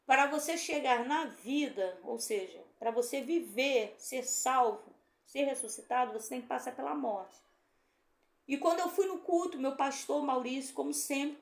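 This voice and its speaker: A woman pastor preaches in a high, emotional voice, telling a personal story with a chatty, direct style. She keeps checking in with her listeners through short rhetorical tags. The sound has a noticeable echo of the room around her. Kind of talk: personal testimony sermon.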